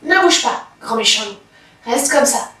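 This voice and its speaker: A woman's voice: fairly high pitch, animated, a little slow, sharp tone, slight background noise. A woman voicing a small, sly white rabbit who fusses and gives orders, in a storybook reading. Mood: bossy. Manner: fussy, bossy instructions. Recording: very echoey room, from far off.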